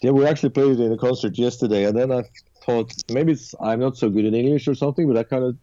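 Mellow-voiced man, dull dry sound. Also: medium pitch, dry recording. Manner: relaxed, halting, many fillers. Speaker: musician guest. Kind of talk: radio interview chat.

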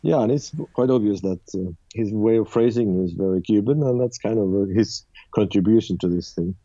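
Mellow-voiced man, dull dry sound. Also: on the low side, no room sound. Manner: relaxed, halting, many fillers. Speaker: musician guest. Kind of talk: radio interview chat.

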